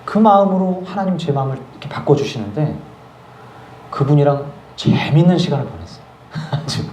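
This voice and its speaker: A man preaching a sermon as pastor, telling a personal testimony in a lively storytelling way and acting out his own prayers. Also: on the high side, brisk, echoey room, a little hiss or hum. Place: church service.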